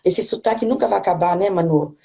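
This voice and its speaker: A woman with a mid-range, mellow voice and vocal fry talks briskly in a rural Brazilian Portuguese accent. She's a parish worker appearing as a guest on a video call, chatting casually but hesitantly, with many restarts and tag questions.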